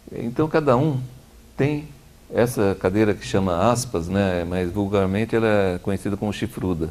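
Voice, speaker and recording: A man's ordinary speaking voice, fairly low in pitch, at a moderate pace with ordinary pitch variation. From interior of São Paulo state, Brazil. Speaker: furniture designer. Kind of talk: lecture.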